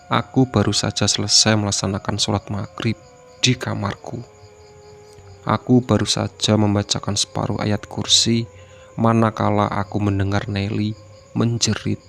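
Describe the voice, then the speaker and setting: Man, horror story narration, steady reading, monotone delivery, low voice. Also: a little hiss or hum.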